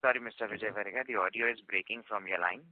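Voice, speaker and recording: A man with a fairly low voice speaks as the operator of a conference call. His lines are polite, formal and scripted. He comes through a narrow, phone-like band. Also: fast, a little hiss or hum. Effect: conference call phone line. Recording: tinny phone line.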